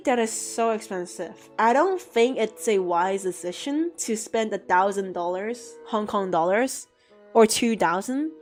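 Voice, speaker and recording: A woman's voice: medium pitch, darkish tone. A woman chatting casually with her livestream audience, talkative and given to mock-dramatic outbursts. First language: English. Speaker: art streamer answering chat.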